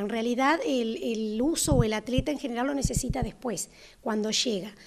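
This woman's pitch is high and her delivery fairly quick. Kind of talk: interview answer. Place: office. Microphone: handheld.

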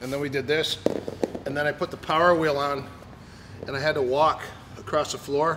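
Noticeable background noise is present. The speech moves at a moderate speed. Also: man. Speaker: coach at a seminar. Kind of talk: seminar talk with anecdote. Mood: relaxed, humorous. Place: gym. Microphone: camera far.

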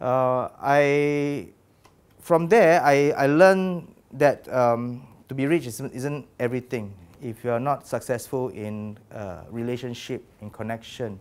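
A man with a Singaporean accent speaks at a very slow pace. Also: ordinary pitch variation, big swings in loudness. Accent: Singaporean English (Singlish). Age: 50s. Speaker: banker speaking at public forum. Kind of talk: public forum talk. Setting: stage with audience. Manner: halting. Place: meeting room. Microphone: lapel.

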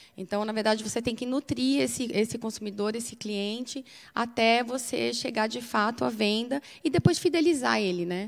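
A woman with a fairly high pitch uses an ordinary speaking voice at a moderate pace. Her pitch varies in an ordinary way, and the background is quiet. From São Paulo, Brazil. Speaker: marketing professional; TV talk show guest. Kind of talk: interview. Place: studio. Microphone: handheld.

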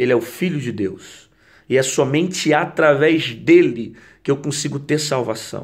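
A somewhat breathy man's voice, fairly high in pitch, at a fairly slow pace with ordinary pitch variation against a quiet background. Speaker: preacher. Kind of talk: sermon, preaching to a YouTube audience. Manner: earnest, fervent, urging; repeats phrases for emphasis. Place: home room. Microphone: phone near.

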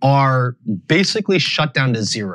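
Over a quiet background, a man speaks at a fairly slow pace with very wide pitch swings. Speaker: nutrition science educator. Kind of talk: lecture. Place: studio. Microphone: lapel.

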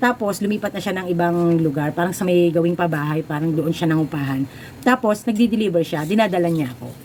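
With ordinary pitch variation, a woman with a fairly low voice talks very fast. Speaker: vlogger and sari-sari store owner. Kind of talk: casual vlog talk.

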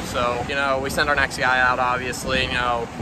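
A man at a moderate pace against loud background noise. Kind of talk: casual vlog chat. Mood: frustrated, venting. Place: open country. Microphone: phone near.

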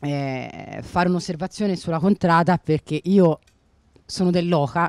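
A woman's dark, mellow voice sits at a fairly low pitch, dry with no echo against a quiet background. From Siena, Tuscany; Tuscany, Italy. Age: 40s. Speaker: tourism and events organiser. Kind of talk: casual chat. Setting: restaurant. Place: cafe. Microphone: handheld.

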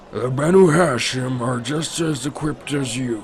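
Through clear background noise, a man does a raspy put-on character voice at medium pitch and a moderate pace. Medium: audio drama. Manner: blunt, loud.

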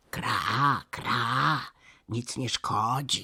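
A woman's raspy, put-on character voice at a very deep, low pitch. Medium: read story. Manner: chatty, repetitive, fussy.

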